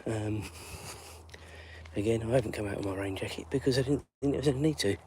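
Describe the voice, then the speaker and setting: A London vlogger walks his dog along a residential street in drizzle, chatting on a live stream in a quick, somewhat low and slightly mellow voice. He rambles chattily with lots of fillers, and there's slight background noise.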